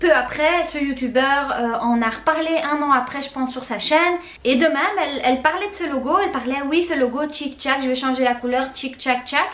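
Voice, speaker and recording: A woman's high-pitched voice with hardly any pauses, with noticeable background noise and audible room echo. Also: ordinary pitch variation. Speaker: YouTuber and graphic designer. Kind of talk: casual vlog monologue. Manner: fast; hesitant, many fillers.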